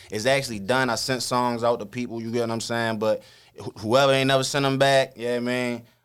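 A man speaks very fast at a medium pitch in a monotone, flat delivery, with noticeable background noise behind him. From Baltimore, Maryland. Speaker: rapper and clothing entrepreneur. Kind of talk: casual radio interview. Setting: radio studio.

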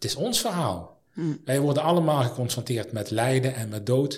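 A man talks in an ordinary speaking voice. His pitch sits at medium and varies in an ordinary way. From South Limburg, Netherlands. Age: 40s. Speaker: spiritual care worker. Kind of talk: interview conversation.

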